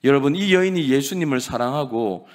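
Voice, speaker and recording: A male pastor preaching a sermon, dramatic and swinging from loud emphasis to hushed words. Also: mid-range voice, lively intonation, brisk.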